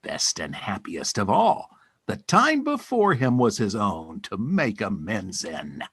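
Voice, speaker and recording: An actor narrating a ghost story in a measured, theatrical, suspenseful style. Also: male voice, lowish voice, wildly swooping pitch, a bit bright, breathy edge, full character voice. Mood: wondrous. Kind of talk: scripted dramatic narration.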